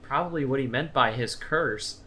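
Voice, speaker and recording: A man's voice: medium pitch, normal speed, sharp tone, slight background noise, natural voice. A man playing a thoughtful monster investigator in an audio drama, explaining things in a tentative way. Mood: curious. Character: Reese, thoughtful, well-informed male monster investigator. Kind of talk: naturalistic audio drama dialogue.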